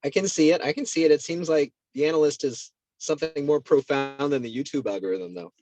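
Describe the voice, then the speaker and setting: A man's voice: fairly high pitch, brisk, darkish tone, no room sound, soft background music. A man in a casual analytical conversation, speaking as a discussion partner who questions and carefully qualifies his points.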